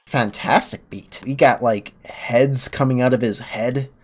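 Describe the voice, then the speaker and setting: A man's voice: mid-range voice, steady tone, a little slow. A young man hosting a gaming video, sniffly from a cold, reacting casually with laughs and rambling asides. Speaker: gaming channel host. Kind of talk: casual game commentary. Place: home room, indoors. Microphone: headset mic.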